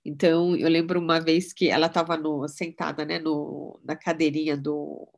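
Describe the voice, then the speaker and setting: A middle-aged woman teaching in a loose, conversational way. Her voice sits fairly low, and she keeps tagging her sentences with little questions as she mixes personal stories into the lesson. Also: normal speed, creaky. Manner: chatty, relaxed, often adds "né?" tags. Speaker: mind-mapping instructor. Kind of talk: casual teaching talk with personal anecdotes.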